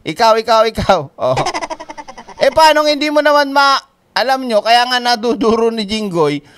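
A high-pitched man hosts a reaction commentary, mocking and laughing between lines. His voice sits well above most men's. Clear hiss and noise run under the recording. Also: normal speed. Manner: mocking, laughs often, swears. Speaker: commentary channel host.

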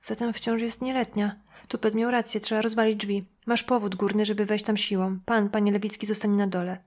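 A woman's voice: medium pitch, flat delivery, fairly quick, a little mellow, natural voice. A woman voicing a female police investigator who speaks firmly and wryly.

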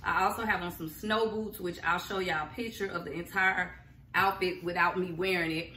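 Speaking at a moderate pace with a lowish voice, a middle-aged woman chats casually to the camera in her own kitchen as a vlogger. She's encouraging and talkative, using her hands animatedly, while the camera sits at arm's length in front of her. There's a roomy feel and faint noise behind her.

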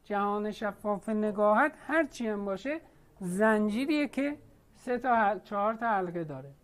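A woman's voice: mid-range voice, animated. Woman teacher on an online class, asks students lots of questions, patient.

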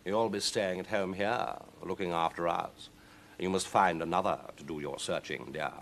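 A man voicing a sly, imperious demon cat in a storybook, with a smug, deliberate drawl. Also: low voice, vocal fry, a bit bright, slight background noise.

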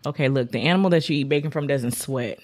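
A man's voice: mid-range voice, fast talker, no echo. A man co-hosting a podcast, playfully teasing the others in casual chat. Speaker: podcast co-host.

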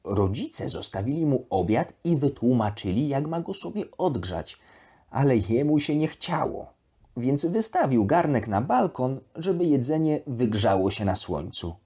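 Animated, husky plush duck storyteller, acted by a narrator. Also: medium pitch, unhurried. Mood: chatty recounting. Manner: expressive, wondering, childlike asides. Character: naive, chatty, elegant female plush duck keeping a diary. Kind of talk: children's bedtime audiobook storytelling.

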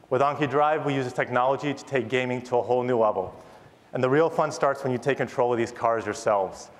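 A man in his thirties, a company founder, giving an enthusiastic, rehearsed keynote product presentation on a large conference stage. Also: medium pitch. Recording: long hall reverb, audience noise.

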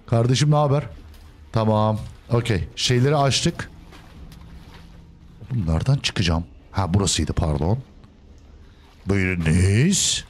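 In this gaming video, a man from Turkey comments jokingly on how he plays, answering the characters on screen as if they could hear him. He's expressive and unhurried, leaving long pauses, and his volume shifts from loud outbursts to quiet muttering.

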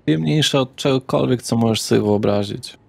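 Male game master, slow deliberate delivery with heavy vocal fry, close dry sound. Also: medium pitch, no echo. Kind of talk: tabletop RPG narration.

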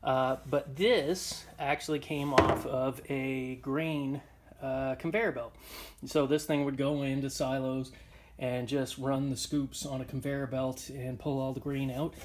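A man's voice: medium pitch, little pitch movement, a little slow. A man walking through his antique finds on a handheld phone, talking casually with many ums and uhs. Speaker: antiques dealer showing finds. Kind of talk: casual walkthrough vlog. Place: indoor shop or barn, tiled floor. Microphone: handheld phone camera. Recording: noisy phone recording.

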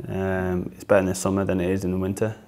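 A young footballer with a northern English accent speaks in a low, deep voice. His delivery stays flat and level, hardly rising or falling. He stumbles through fillers and restarts as he answers questions, seated in a small studio. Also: quick pace. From northern England. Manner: hesitant, many fillers and restarts. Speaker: football player. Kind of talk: casual interview answers.

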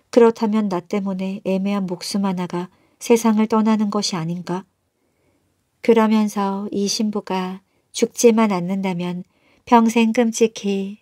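A woman's voice: mid-range voice, steady tone, unhurried, darkish tone, no echo, clean studio sound, lightly acted. A woman voicing a lonely, fretful middle-aged male magistrate in a storybook, brooding and earnest. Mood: anxious. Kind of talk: storybook narration.

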